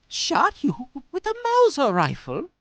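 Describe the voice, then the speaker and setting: A woman's voice: high voice, huge pitch swings, unhurried, fairly bright tone, no echo, heavily acted. A woman voicing a prim, old-fashioned, inquisitive confidant in an audio drama, with proper, theatrical exclamations. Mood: astonished.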